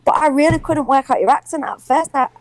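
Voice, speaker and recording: A woman in her forties from Hull, England, calling in to a live show. She talks in a chatty, excitable way and laughs easily. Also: sits high, quick pace, a loud crowd. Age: 40s. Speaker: caller. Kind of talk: casual call-in chat.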